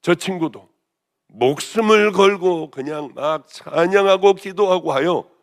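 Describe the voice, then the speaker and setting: Hoarse woman pastor preaching with passion. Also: fairly low pitch, a little slow. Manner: impassioned, swinging between raised exclamations and hushed near-whispers. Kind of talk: sermon.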